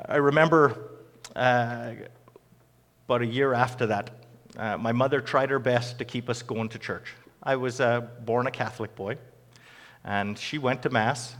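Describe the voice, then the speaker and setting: A middle-aged man from Northern Ireland with a Northern Irish accent gives his testimony to a church crowd. He talks in a conversational, halting way, stopping to restart his sentences. His voice sits at an ordinary pitch and rings out with a long echo in a hall. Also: fairly bright tone. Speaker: speaker giving a testimony. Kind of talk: personal testimony to a church audience.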